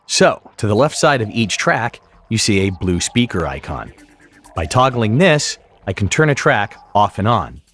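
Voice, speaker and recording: Deep-voiced man narrating a software tutorial. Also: sing-song, unhurried, soft background music. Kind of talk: explanatory screen-recording narration.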